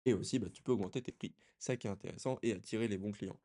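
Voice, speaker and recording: Man with a dark, low voice. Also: quick pace. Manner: loose and conversational, with frequent restarts. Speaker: freelance coach. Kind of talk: casual talking-head lesson.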